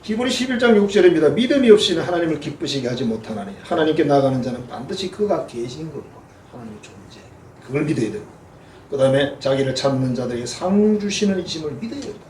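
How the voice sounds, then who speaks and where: A man's voice: fairly high pitch, a little mellow, slight background noise. A man with a Gyeongsang Korean accent, preaching a sermon as a pastor in a folksy, humorous way. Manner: folksy, humorous, acts out quoted voices. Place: church sanctuary. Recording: echoey church hall, mic at a distance.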